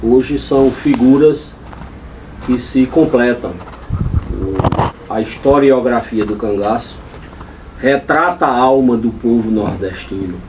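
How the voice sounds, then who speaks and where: Amid noticeable background noise and audible room echo, a man at medium pitch speaks very slowly with long, frequent pauses and ordinary pitch variation. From Brazil, Paraíba (Pocinhos). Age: 60s. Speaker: historian and author. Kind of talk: lecture. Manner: formal.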